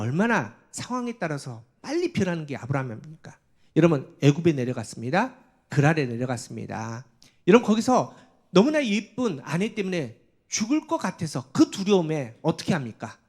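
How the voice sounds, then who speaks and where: A man's voice: fairly high pitch, a little mellow. A male pastor giving a sermon, often addressing the congregation and acting out prayers and divine speech with rising intensity.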